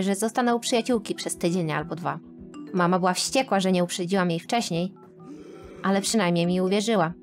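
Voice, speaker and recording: Woman narrating a dramatic animated story. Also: on the low side. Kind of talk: scripted first-person narration of an animated story. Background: faint background music.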